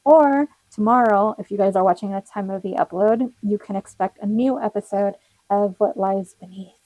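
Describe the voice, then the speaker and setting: A young woman giving a casual tarot card reading, chatty and rambling with little laughs, her voice hoarse and cracking. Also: mid-range voice, moderate pace, mellow, dry recording, rough recording. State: losing her voice, slightly cracking.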